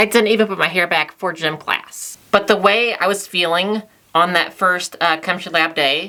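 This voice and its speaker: This woman has a plain, everyday voice, pitched in the medium range with fairly even intonation. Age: 30s. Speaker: vlogger. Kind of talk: casual talk to camera.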